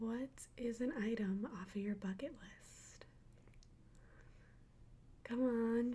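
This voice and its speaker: Over light background noise, a whispering voice with a soothing tone moves at a very slow pace, with big swings in loudness and long, frequent pauses. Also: woman. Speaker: ASMR artist; ASMR creator in girlfriend roleplay. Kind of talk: ASMR girlfriend roleplay. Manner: whispered, soothing. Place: home room.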